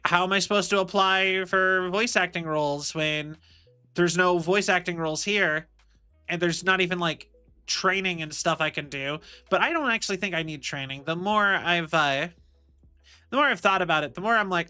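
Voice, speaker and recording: Bright, clear-voiced rambling young man. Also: high-pitched, moderate pace, soft background music. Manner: rambling, repeats "like I said". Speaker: VTuber streamer. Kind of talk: casual stream chat.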